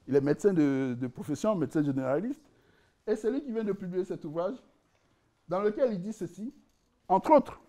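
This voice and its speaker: A man with a high-pitched voice delivers a conference lecture with lively energy, joking and laughing at his own asides. He restarts phrases often, repeating words as he works toward a point. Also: moderate pace, pauses often. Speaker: conference speaker presenting his book.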